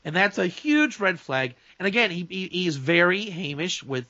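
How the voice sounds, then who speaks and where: A man's voice: high-pitched, lively intonation, normal speed, sharp tone, no room sound, muffled recording. A man, a rabbi, talking in a casual, opinionated talk-show chat, emphatic and full of restarts and asides. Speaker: rabbi and guest speaker.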